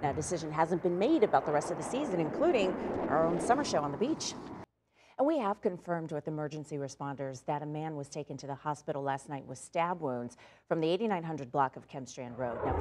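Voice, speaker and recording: A woman reads the morning headlines in a somewhat low voice, brisk and matter-of-fact. Between stories she turns bright and chatty with her co-anchor. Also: lively intonation, background noise. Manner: brisk, upbeat delivery with chatty asides. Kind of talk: live morning news reading and chat.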